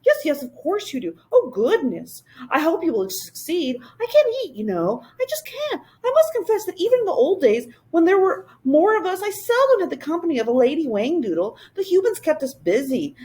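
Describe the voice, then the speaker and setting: A woman voicing an excitable, fussy old male Whangdoodle king who lisps and gushes. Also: very high voice, brisk, few pauses, pitched above the performer's own voice. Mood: wistful. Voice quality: lisping. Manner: gushing, chattering, anxious.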